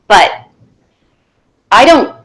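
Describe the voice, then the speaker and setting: A middle-aged woman, a special needs teacher, talking in an interview in a firm, animated way and acting out what she says to her class. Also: drawn-out words. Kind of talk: conversational interview.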